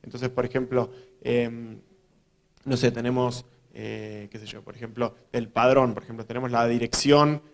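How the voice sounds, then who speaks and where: A man with an Argentine accent, a programmer giving a relaxed, conversational talk to journalists, filling his explanations with fillers and restarts. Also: medium pitch, normal speed, creaky. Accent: Argentine Spanish. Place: university event hall.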